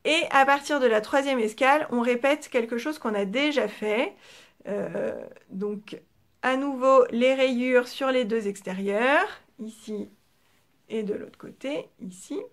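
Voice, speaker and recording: A French-accented woman talks through her knitting in a relaxed, chatty way, filling gaps with little fillers. Her voice sits a little high. She speaks toward a camera as a podcast host. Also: unhurried. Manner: chatty, relaxed, with frequent fillers and soft trailing asides. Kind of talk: casual show-and-tell chat. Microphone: camera facing the speaker.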